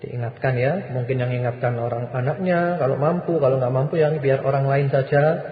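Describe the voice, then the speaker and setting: A man's voice: mid-range voice, moderate pace. A male Islamic preacher answering listeners' questions in a firm, exhorting, repetitive manner. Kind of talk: sermon Q&A. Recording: echoey hall, muffled lo-fi recording.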